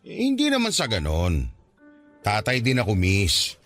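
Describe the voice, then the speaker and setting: A man's voice: fairly low pitch, wildly swooping pitch, unhurried, fairly bright tone, soft background music, heavily acted. An actor playing a dismissive middle-aged policeman in a Tagalog radio drama, lecturing in a patronizing, colloquial way. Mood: defensive lecturing.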